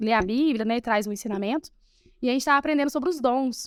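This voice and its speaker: In a very clean recording with a silent background, a woman with a strong Minas Gerais accent speaks at a very fast pace, her high pitch showing ordinary pitch variation. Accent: strong mineiro accent, rolled R. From Minas Gerais, Brazil. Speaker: podcast guest, mother. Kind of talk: casual chat.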